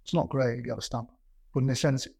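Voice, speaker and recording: A man's voice: mid-range voice, steady tone, very fast, creaky, a little mellow, breathy edge, dry recording, studio quality. A middle-aged man with a stammer that makes him repeat sounds and words, speaking in a plain-spoken, conversational interview style as a business executive. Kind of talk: reflective conversational interview with anecdotes.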